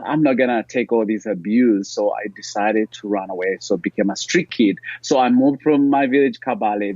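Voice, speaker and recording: A man's voice: on the low side, darkish tone, dry recording, highs cut off. A man from Uganda, a podcast guest telling his life story earnestly, with frequent fillers and restarts.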